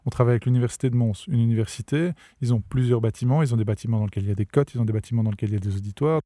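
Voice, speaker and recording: A man's voice: medium pitch, very fast, dark tone, no room sound. A Belgian man with a Belgian French accent, a startup founder explaining his work in a podcast interview, often repeating words as he thinks.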